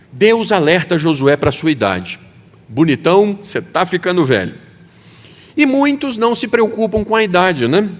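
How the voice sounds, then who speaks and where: Brazilian pastor preaching in a reverberant church. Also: male voice, medium pitch. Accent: Brazilian Portuguese. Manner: animated preaching, acts out voices in quotes. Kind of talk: sermon. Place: church sanctuary. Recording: long hall reverb.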